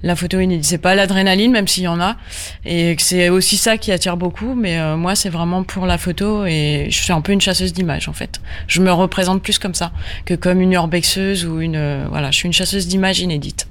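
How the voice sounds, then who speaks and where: A woman from Normandy, a photographer guest in a radio interview, who talks in a halting way with many fillers and restarts. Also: on the low side, fairly even intonation. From Normandy, France.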